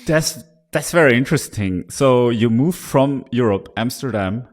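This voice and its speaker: A man's voice: mid-range voice, animated, a little slow, dry recording. A middle-aged man from Germany hosting a podcast interview, enthusiastic and prone to repeating words as he starts a thought. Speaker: podcast host.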